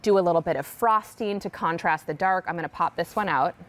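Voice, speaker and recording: A woman's voice: lowish voice, brisk, slight background noise. A woman in her thirties doing a live infomercial product demonstration in an upbeat, informal, encouraging way. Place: TV studio kitchen set.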